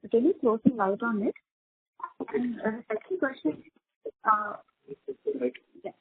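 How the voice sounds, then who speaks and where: Husky woman on a phone line. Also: on the high side, measured pace. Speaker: caller asking questions. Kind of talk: unscripted investor question on a conference call. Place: telephone call. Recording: muffled narrow phone line.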